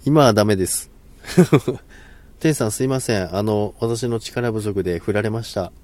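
Male streamer, low voice, casual and self-deprecating, trips over his words. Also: unhurried, a little mellow, no echo. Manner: laughs often, polite and self-deprecating, stumbles over words. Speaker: live stream host. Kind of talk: casual live chat.

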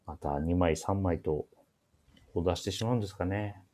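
Male host, deep voice, casual radio chat, drily teasing co-presenters. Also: a little fast, mellow. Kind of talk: casual talk show chat with event announcements.

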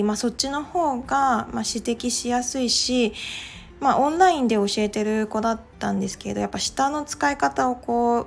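Chatting casually on her podcast, a woman from Japan talks on her own and sprinkles in plenty of little fillers like "well." She has a fairly high pitch with vocal fry.

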